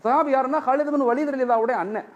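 A man's voice: very high voice, quick pace, dull audio. A male Islamic preacher giving a sermon, telling stories and acting out the dialogue. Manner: animated storytelling, acting out dialogue.

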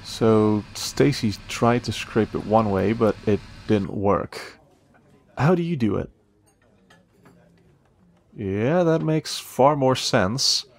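An earnest young guy , played by a man in a romantic audio drama. He talks slowly and casually with some gravelly fry, hesitant and protective, as if thinking aloud. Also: fairly low pitch, a little hiss or hum. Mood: impressed. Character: earnest, protective young male café trainee, eager to learn. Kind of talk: intimate first-person audio roleplay.

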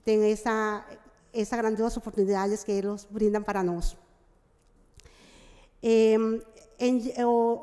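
Halting middle-aged woman portunhol. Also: fairly high pitch, mellow. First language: Spanish. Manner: mixes Portuguese with Spanish (portunhol); halting, with frequent hesitations. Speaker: representative of a migrant community organization. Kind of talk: formal acceptance speech. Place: large wood-panelled legislative chamber, indoors. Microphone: gooseneck desk microphone. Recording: echoey hall with long reverb.

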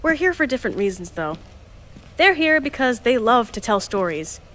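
A woman's voice: a little high, sing-song, normal speed, fairly bright tone, slight background noise. An actress playing Jules, a cheerful, chatty young woman who organizes a time capsule team. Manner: bubbly, chatty, flustered. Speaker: narrator of time capsule recordings.

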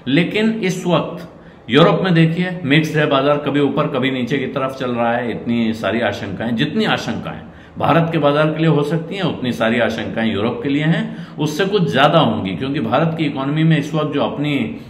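A middle-aged man explains market moves in a steady, measured way, his voice sitting in the middle of his range. The room around him adds a noticeable echo, and a faint hiss sits underneath. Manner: measured explanatory delivery, dropping low at cautions. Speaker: senior journalist and market commentator. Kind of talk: market commentary to camera. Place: indoor room with curtains. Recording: roomy echo, faint noise.

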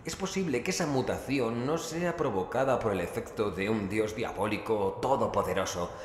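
A man's voice: fairly low pitch, moderate pace, slight background noise, lightly acted. A man playing a skeptical investigator who narrates and speaks in a horror audio drama.

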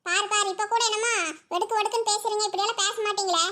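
A woman's voice: very high voice, steady tone, racing, pushed and bright. A woman voicing a chatty young village wife in a cartoon, with a Kongu Tamil accent and a sing-song, pleading way of talking. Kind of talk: cartoon voice acting.

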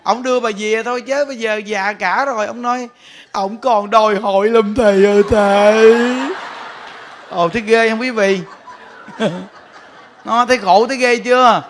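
Telling stories animatedly in a sermon, a Buddhist monk laughs often and speaks straight to those listening. His voice is extremely high-pitched, with a little hiss or hum in the recording.

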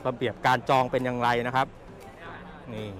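A man's voice: medium pitch, flat delivery, brisk, a bit bright. A man giving a casual walkaround tour of a car at a busy indoor motor show, chatty and repeating his points as he films. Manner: chatty, repeats points, ends phrases with polite particles. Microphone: handheld camera mic, presenter off camera.

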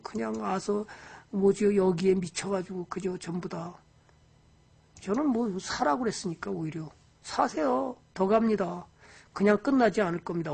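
Husky woman giving a lively market lecture. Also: medium pitch. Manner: lively lecturing with frequent rhetorical questions. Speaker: stock investment lecturer. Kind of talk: investment lecture.

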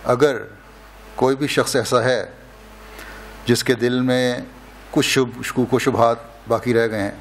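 An older man delivering a slow, measured sermon at a lectern microphone during a mosque opening, pausing often between phrases. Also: medium pitch, gravelly, slight background noise. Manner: slow, measured, solemn delivery with long pauses. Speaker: religious leader giving an address. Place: indoors, mosque hall lectern. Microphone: lectern microphone, close.

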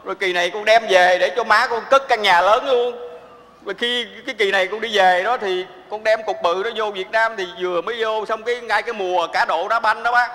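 An actor playing a penniless gambler son in a stage comedy sketch, whiny and stammering with wailing exclamations. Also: male voice, high voice, steady tone, a little fast, sharp tone. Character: penniless man, gambler, comic prodigal son. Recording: echoey stage with long reverb.

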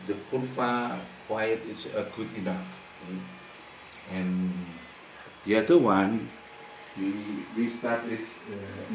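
A man's voice: on the low side, slight background noise. An older Indonesian man with Indonesian as his first language, giving a hesitant tour of his lab projects in English, full of fillers and restarts. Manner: hesitant, many fillers and repeated words. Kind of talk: halting presentation in second-language English. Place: garden workshop, indoors and outdoors. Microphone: handheld camera close by. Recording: echoey with clear background ambience.

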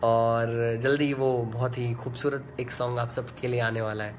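A young man, a singer, chatting casually in a fan live chat, reading out comments in a relaxed way with many fillers. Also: medium pitch, measured pace, a little hiss or hum. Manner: laid-back and chatty, full of "yaar" and "matlab" fillers.

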